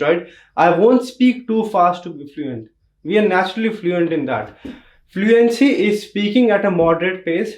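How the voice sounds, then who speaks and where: A man's voice: sits high, a little mellow, reverberant. A young man with an Indian accent teaching exam tips in an emphatic tutorial style, repeating key points. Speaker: test prep teacher. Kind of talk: instructional tutorial.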